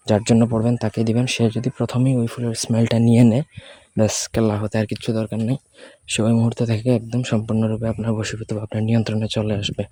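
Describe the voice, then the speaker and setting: A man hosting his own channel, explaining a ritual step by step in a brisk, matter-of-fact way, now and then correcting himself mid-sentence. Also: lowish voice, mellow, dry recording. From Bengal. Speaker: channel host teaching spells. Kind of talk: instructional talk to camera.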